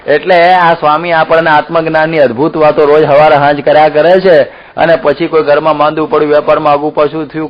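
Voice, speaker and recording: A man delivers a religious discourse, moving through stories and acting out the characters' lines. His voice sits a little high for a man. The recording is somewhat dull and lo-fi. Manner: storytelling with laughs and acted quotes. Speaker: preacher.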